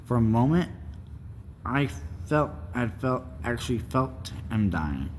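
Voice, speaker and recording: A man's voice: mid-range voice, big pitch swings, slow, in a large hall, slight background noise. A man reading a novel aloud informally, with small stumbles and repeated phrases. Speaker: amateur reader of a novel aloud. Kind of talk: audiobook-style read-along narration with character voices.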